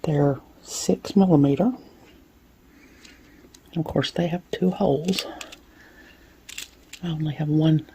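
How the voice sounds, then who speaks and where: A woman, hoarse from a cold, showing and describing beads in a casual unboxing vlog. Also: low voice, fairly even intonation, takes it slowly, pauses often, a little hiss or hum. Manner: soft-spoken, drops to whispers at times. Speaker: bead unboxing vlogger. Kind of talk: casual show-and-tell unboxing.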